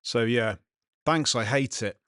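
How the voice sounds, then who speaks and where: A man's voice: medium pitch, a little slow, sharp tone, smooth, no room sound, clean studio sound. Man with a nasal Black Country accent. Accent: Black Country English. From England, West Midlands. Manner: sardonic, irritated grumbling. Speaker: vlog host, software developer. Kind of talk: casual vlog commentary.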